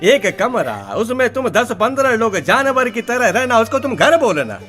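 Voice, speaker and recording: A man's voice: extremely high pitch, very animated, moderate pace, over music. A man playing a wily, grudging moneylender with a South Indian accent and broken grammar in a radio play. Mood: grudging, dismissive. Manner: broken Hindi, haggling, condescending. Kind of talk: Hindi radio play acting.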